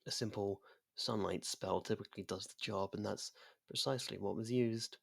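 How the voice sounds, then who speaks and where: Male actor as ancient domineering vampire, low-pitched, breathy, seductive, deliberate, theatrical ASMR monologue, close dry sound. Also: fairly even intonation, no echo. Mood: cool, detached. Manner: slow, deliberate, theatrical, often dropping to a whisper.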